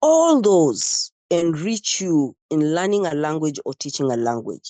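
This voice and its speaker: A woman's fairly low, dark and mellow voice with lively intonation, dry and close with no echo, over a quiet background. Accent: Kenyan. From western Kenya (Mumias). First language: Luhya. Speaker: guest. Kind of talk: casual interview.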